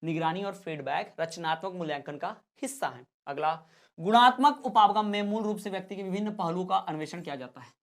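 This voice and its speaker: A man's voice: high voice, brisk. A male teacher giving an exam-prep lecture. He asks each question, answers it, then repeats the answer plainly and steadily. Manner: plain, steady classroom explaining.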